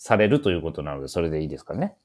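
A man hosts a casual talk show. He speaks quickly and banters with his partners in a teasing way. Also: extremely low pitch, very animated, darkish tone. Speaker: show host, MC. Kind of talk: casual radio-style talk.

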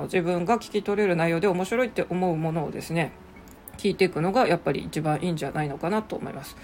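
A chatty woman, an English teacher, talking alone on her show, with frequent fillers and side comments. Her voice sits fairly low for a woman. A faint hiss of noise runs underneath. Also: darkish tone. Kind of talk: casual solo talk.

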